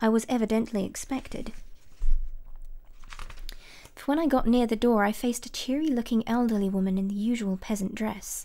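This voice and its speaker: A soft-spoken woman with a British accent talks at a moderate pace, her fairly high voice dark and mellow in tone with ordinary pitch variation. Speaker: audiobook reader and streamer. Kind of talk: audiobook reading. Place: home room. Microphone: studio mic.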